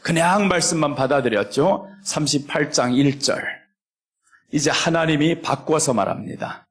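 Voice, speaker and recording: A middle-aged man preaching a sermon as pastor, expressive, acting out quoted voices and slowing down to read scripture. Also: a little high.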